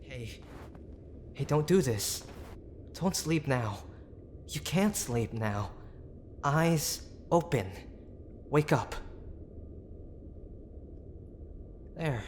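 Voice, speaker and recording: A man playing a gruff, teasing tsundere boyfriend who is frightened and tender underneath, in an intimate audio drama with brusque, halting urgency. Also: mid-range voice, lively intonation, darkish tone. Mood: anxious, soothing. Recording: clear background ambient noise.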